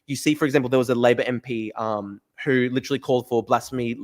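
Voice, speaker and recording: An Australian man hosting a live-stream podcast, talking rapidly and emphatically with lots of fillers and restarts. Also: medium pitch, steady tone, darkish tone. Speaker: podcast host. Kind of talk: live stream chat, reading viewer comments.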